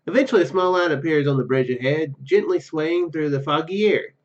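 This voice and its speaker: A man doing a let's play, reading story text aloud haltingly and dropping in casual asides. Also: fairly high pitch, highs cut off. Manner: halting, stumbles over read words. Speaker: gaming YouTuber.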